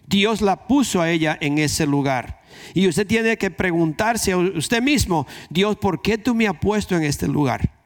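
A man's voice: high voice, lively intonation, a little slow. A man with a Dominican accent preaching a conversational sermon, repeating key phrases for emphasis. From Dominican Republic.

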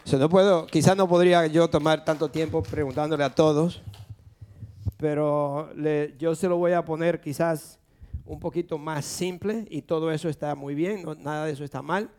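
A male pastor leads a church service, firing questions at his congregation and repeating them to press for answers. His voice sits fairly high and moves at a brisk pace. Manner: quick, lively, asks and repeats questions.

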